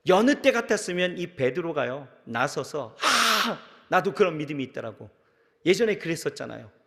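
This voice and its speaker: A male pastor delivering a sermon, asking the congregation questions and swinging between loud emphasis and quiet, hushed lines. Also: high-pitched, gravelly. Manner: dynamic preaching with rhetorical questions and sudden drops to quiet. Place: large church sanctuary. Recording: long church reverb.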